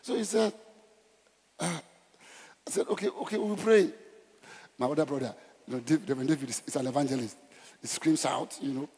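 Husky Nigerian preacher, male. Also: medium pitch, animated, brisk, long pauses, darkish tone. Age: middle-aged. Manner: emphatic, exhorting, with repeated short phrases. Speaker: pastor. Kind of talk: evangelistic church sermon, conversational preaching. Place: large church auditorium, on stage. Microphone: headset. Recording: echoey church hall sound.

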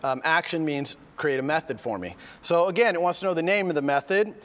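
A man with a slightly hoarse voice from a cold, teaching a live coding lecture step by step and often checking in with "okay?". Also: on the high side, expressive, a little fast, a bit bright. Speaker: university lecturer. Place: lecture hall. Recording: lecture hall with long reverb.

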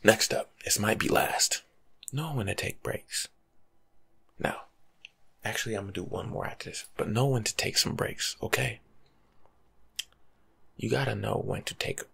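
A young man doing soft-spoken ASMR as a laid-back, rambling life coach, husky and often slipping into a whisper. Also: lowish voice, a little slow, long pauses. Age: young adult. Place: small room at home.

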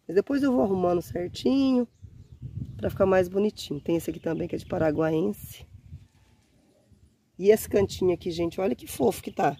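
A woman in her forties, slightly hoarse from a cold, chatting warmly to her phone camera outdoors in a windy garden. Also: on the low side, moderate pace, long pauses. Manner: warm, chatty, often says "gente" and diminutives. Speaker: gardening vlogger. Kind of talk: casual chat to camera. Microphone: phone camera held at arm's length. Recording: faint wind noise outdoors.

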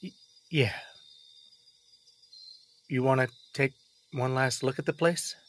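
A man's voice: mid-range voice, fairly even intonation, slow pace, a little hiss or hum, natural voice. An actor playing a protective, exasperated middle-aged father in an audio drama, stammering and repeating himself. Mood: earnest, stern. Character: flustered, protective, exasperated father of a teenage girl. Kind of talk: naturalistic audio drama acting.

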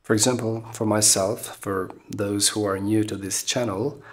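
A man in his forties from the Eastern Balkans with an Albanian accent, giving an English lesson straight to camera. He talks haltingly, with many ums and uhs, and keeps checking in with "okay?". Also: fairly low pitch, fairly even intonation, slight background noise. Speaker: English teacher. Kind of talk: talking-head lesson to camera. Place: small room indoors. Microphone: camera close up at face level.

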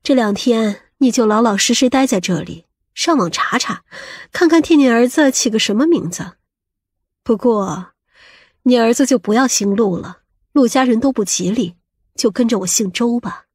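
A woman performs a protective, scheming middle-aged mother in an audiobook drama. Her voice is on the high side and husky, recorded dry. She speaks emphatically, with a scolding, exclamatory edge. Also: animated, normal speed, a little mellow, dry recording. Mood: calculating, firm.

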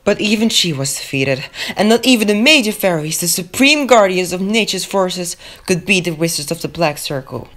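A woman's voice: lowish voice, expressive, moderate pace, hardly any pauses, a bit bright. Woman voicing a stern older fairy-school teacher, grave. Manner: grave, explanatory. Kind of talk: fan-dub cartoon acting.

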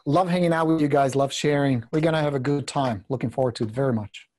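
A husky-voiced man with a Czech accent, a guest real estate coach, tells candid stories in a video interview with a blunt, profane, joking manner and lots of gestures. His mid-range voice is fast and a little mellow. He's recorded on a desk condenser microphone in an indoor studio room with a brick wall.

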